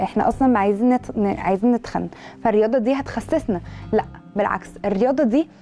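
An Egyptian woman food blogger talks at a breakneck clip while she cooks, her voice a touch higher than most and mellow rather than bright. She piles on emphatic intensifiers in her friendly, chatty advice. Food sizzles in a pan and faint music plays behind her. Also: lo-fi sound. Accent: Egyptian Arabic.

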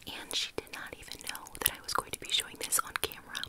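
A woman in her thirties doing whispered ASMR in a soft, breathy, unhurried voice, close to the microphone, showing items one by one. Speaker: ASMR host showing a nail collection. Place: small quiet indoor studio with dark backdrop. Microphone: fluffy-covered microphone close in front of her. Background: crinkling and nail tapping on packaging.

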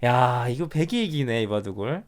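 A middle-aged man gives live commentary on a Go game in a smooth, resonant voice. He drops to a low murmur to count points, then comes back louder with quick, animated reactions. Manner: counts territory under his breath, then exclaims at turns.

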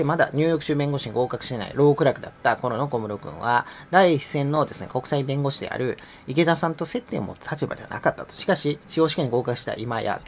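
A man's voice: mid-range voice, vocal fry. A middle-aged man giving sarcastic, mocking commentary in a casual, conversational way.

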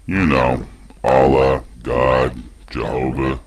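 A man voicing an all-powerful creator god whose voice is unnaturally deep and slow, delivering a grand, mocking proclamation. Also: completely flat delivery. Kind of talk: scripted monologue for an animation.

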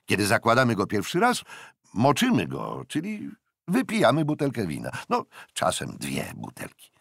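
A jovial young sea officer, voiced by a male reader, talking up a little brighter than the narration and swinging freely in pitch. Gravelly, husky texture, close and dry. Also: huge pitch swings, moderate pace, no room sound, full character voice. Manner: cheerful, bantering. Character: hearty young naval officer, jovial and frank. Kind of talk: audiobook character voice.

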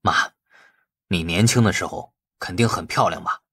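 A man's voice: deep voice, normal speed, sharp tone, slightly rough, no room sound, studio quality, heavily acted. A man voicing a naive, impulsive grown son in an audiobook, blunt and wide-eyed in manner. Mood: curious. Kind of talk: audiobook character acting.

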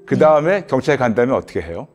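A man's voice: medium pitch, very animated, racing, a little mellow. Middle-aged male pastor-host, probing questions, lapel mic, faint music bed. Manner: probing, with frequent short acknowledgments. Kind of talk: pastoral counseling interview. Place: dark studio set, seated in armchair.

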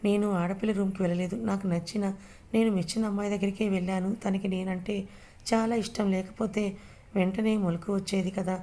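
Woman reader doing a teasing young man, mellow and low-key, storybook reading. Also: steady tone, fairly quick, lightly acted. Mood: coaxing. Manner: teasing, affectionate.

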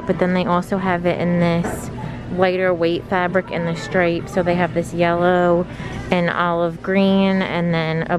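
A woman filming herself shopping for clothes in a large store, describing each item slowly, from a handheld phone. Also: fairly low pitch, poor audio. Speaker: fashion vlogger. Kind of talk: shop-with-me narration. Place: large retail store, indoors. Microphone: handheld phone filming the racks.

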